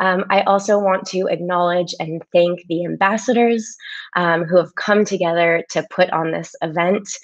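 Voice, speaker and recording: A woman with an American accent uses an unremarkable speaking voice, fairly low in pitch, with fairly even intonation at a moderate pace. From California. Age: 30s. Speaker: tech program manager. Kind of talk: conference talk. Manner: frequent filler words.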